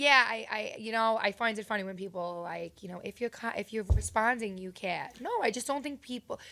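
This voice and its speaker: With a strong New York accent, the speaker talks at a fairly quick pace with lively intonation. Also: woman. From New York City, Brooklyn. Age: 30s. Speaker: food content creator. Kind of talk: casual chat. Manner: loud; animated.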